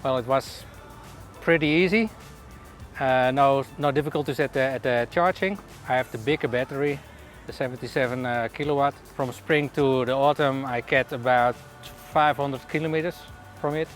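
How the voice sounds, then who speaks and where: A man's voice: mid-range voice, moderate pace, faint music behind. A man with a Dutch accent answering interview questions in a cheerful, matter-of-fact way. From Netherlands. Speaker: event attendee interviewed.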